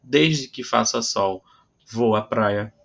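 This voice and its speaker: A man's voice: on the low side, slow pace, creaky, a bit bright. A man with a Brazilian Portuguese accent teaching a grammar lesson, explaining patiently and checking in with frequent "tá?" between examples.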